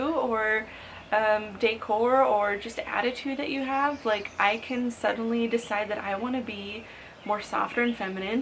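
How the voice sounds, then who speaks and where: A thirty-year-old woman sits down to chat with her viewers in a relaxed, friendly vlog. Her pitch sits in a middle range, and her talk is loose and full of "like." A faint hiss runs under her voice. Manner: chatty, frequent "like" fillers, upbeat with light laughs. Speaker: lifestyle vlogger. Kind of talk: casual sit-down talk to camera.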